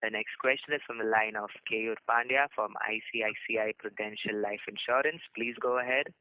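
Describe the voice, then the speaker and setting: A man's voice: fairly low pitch, steady tone, fairly quick, dry recording. A man working as a conference call operator, making formal scripted announcements. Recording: noisy phone line with clicks.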